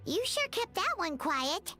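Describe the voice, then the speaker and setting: A woman voicing a tiny, excitable childlike fairy girl companion in an anime video game, squeaky, perky and cheeky. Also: unhurried, faint music behind, heavily acted. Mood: curious. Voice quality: squeaky, shrill.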